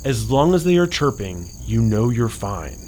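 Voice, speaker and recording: A man's voice: medium pitch, big pitch swings, moderate pace, a little mellow, close to an everyday voice. A man playing a breezy, practical young fiancé who dismisses fears in a horror radio play, with crickets behind him. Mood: reassuring. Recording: noisy, insect sounds behind.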